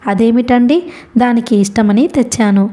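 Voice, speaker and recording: Firm proud mother, put on by a woman narrator, mellow and curt. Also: on the high side, normal speed, close to an everyday voice. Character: dignified middle-aged mother, firm and proud.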